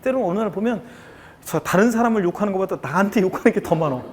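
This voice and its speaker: A man's voice: sits high, animated, fast, a little hiss or hum. A middle-aged man teaching an exam prep lecture, chatty and repetitive, often turning to his students. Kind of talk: recorded online lecture. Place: lecture studio.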